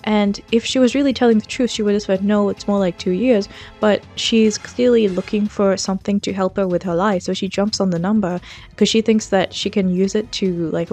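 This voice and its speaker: A true-crime YouTuber with a medium-pitched, slightly mellow voice chats casually about a case into a close voice-over mic. She is chatty and says "like" a lot.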